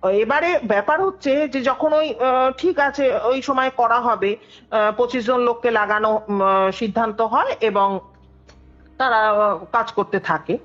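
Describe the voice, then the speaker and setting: A woman's voice: a little high, unhurried, long pauses. A woman telling a story conversationally, acting out the dialogue as she goes. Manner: animated, acts out quoted dialogue. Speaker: guest telling a ghost story. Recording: dull lo-fi call recording with music behind. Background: background music.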